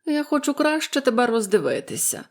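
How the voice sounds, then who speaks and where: A woman voicing a fretful, peevish bedridden woman of about forty, who speaks slowly and dryly in a storybook reading. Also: on the high side, very animated, pitched above the performer's own voice. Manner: fretful, sullen, slow and dry.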